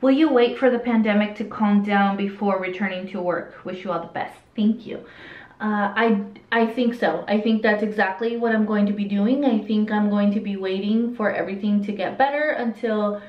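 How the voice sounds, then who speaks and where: A woman's voice: medium pitch, moderate pace. A woman in her late twenties from El Salvador, raised in Southern California, with a light Hispanic accent. She talks in a candid, chatty way and restarts sentences often. Her voice is recorded on a camera in a small room that sounds roomy and a little dull. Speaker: vlogger. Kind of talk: casual Q&A while doing makeup. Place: small indoor room with a curtain backdrop.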